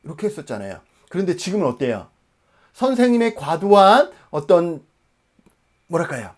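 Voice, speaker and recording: A man's voice: high-pitched, big pitch swings, normal speed, a little mellow. A man in his forties from Jeju Island, South Korea, giving an exam-prep lecture emphatically, asking questions and answering them himself.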